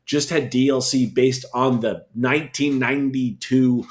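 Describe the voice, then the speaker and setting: A man's voice: mid-range voice, fairly even intonation, unhurried. A man talking as a podcast panelist about games in a blunt, opinionated, casual way. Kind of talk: casual gaming chat.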